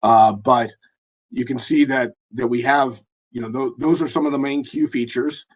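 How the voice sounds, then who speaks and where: A man with a hoarse, husky voice presenting a live software demo in a webinar, talking in a halting way with many fillers and restarts. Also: mid-range voice, fairly even intonation, low-quality recording. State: hoarse, losing his voice.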